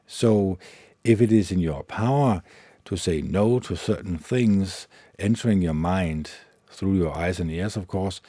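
Man with a Danish accent, very deep voice, husky and dark, halting delivery with fillers, dry close mic. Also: no room sound. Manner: slow, halting, many fillers and restarts. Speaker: podcast host. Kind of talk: solo meditation podcast talk.

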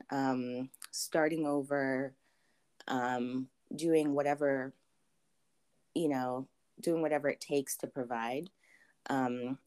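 A young adult woman from Zambia, answering interview questions thoughtfully with many pauses and ums. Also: extremely low pitch, darkish tone. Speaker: interview guest.

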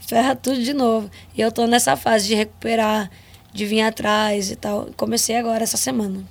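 Hoarse Brazilian woman, slangy and frank. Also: fairly high pitch, little pitch movement, brisk. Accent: Brazilian Portuguese. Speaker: singer guest. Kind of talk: casual interview chat.

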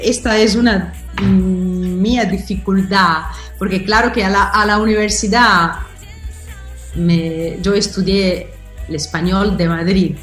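A woman guest in a casual interview, talking hesitantly and searching for her words. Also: mid-range voice. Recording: echoey room, faint music.

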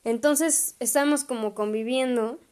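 A woman's voice: a little high, moderate pace, a little mellow. A young woman in her twenties with a Mexican accent, hosting a podcast and telling a story casually, chatty and slangy, with frequent swearing. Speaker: podcast host.

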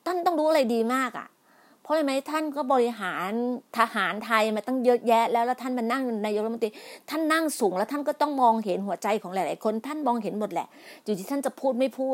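A middle-aged woman speaking in a heated political monologue, scolding and pleading by turns, with many restarts and repetitions. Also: sits high. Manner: emphatic, scolding, repeats herself with many restarts; polite particles, pleading then indignant.

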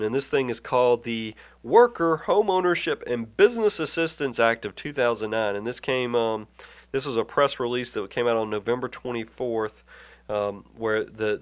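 A man hosts a personal finance program while nursing a head cold. He explains tax rules in an earnest, conversational way, often restarting and repeating words as he works through a point. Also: medium pitch. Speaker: financial advisor hosting a money show. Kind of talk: conversational radio-style advice.

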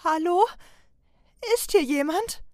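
A woman voicing a nervous young male elf apprentice who stammers in a high, anxious voice, in a read-aloud story. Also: sing-song, a little slow, dry recording, clean studio sound. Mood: frightened. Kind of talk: storybook reading.

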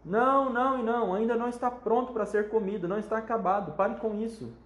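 A fussy, eccentric candy inventor frets and sighs in a voice pitched a little high, as a man reads him out. The storybook voice carries a roomy echo. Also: steady tone, quick pace, lightly acted. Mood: alarmed. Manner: fretful, sighing.

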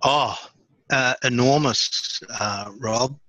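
An Australian man in his fifties, born in India, telling his life story as a podcast guest in a relaxed way with many fillers and restarts. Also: mid-range voice, takes it slowly, no room sound. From born in India, raised in Sydney, Australia. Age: 50s. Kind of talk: conversational storytelling.

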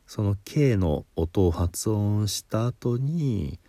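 Slow, deep-voiced man teaching pronunciation. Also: animated, mellow, no room sound. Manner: patient, explains step by step, demonstrates sounds. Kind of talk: spoken lesson.

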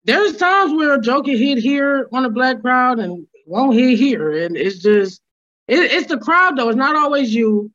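High bright-voiced young comedian, slangy. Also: male voice, a little slow, no echo. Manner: relaxed slangy storytelling, laughs often. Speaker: stand-up comedian guest. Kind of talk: casual podcast chat. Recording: slightly dull lo-fi sound.

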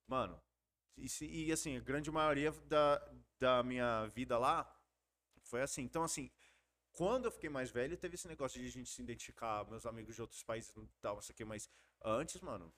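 A Brazilian man in a relaxed podcast conversation, talking in a slangy, animated way. His voice sits at an ordinary middle pitch. He tells long stories and keeps the chat loose. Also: brisk. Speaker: podcast guest. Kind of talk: casual storytelling chat.

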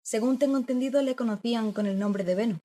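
A woman's voice: on the high side, quick pace, dark tone, natural voice. A woman playing a curious, persistent young journalist who asks polite questions. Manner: inquisitive, polite. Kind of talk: radio drama acting.

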